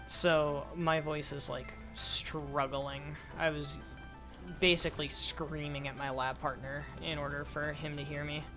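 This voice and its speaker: Hoarse young woman, low slow voice. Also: level tone, music in the background. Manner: rambling, talks to herself while playing. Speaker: game streamer. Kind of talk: casual gameplay commentary.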